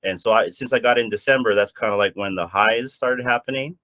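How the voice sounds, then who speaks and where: A man's voice: medium pitch, a little fast, bright, forceful tone, no echo. A man from Hawaii chatting casually on a panel, a little nervous, stammering and rambling. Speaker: guest panelist. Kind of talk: casual chat.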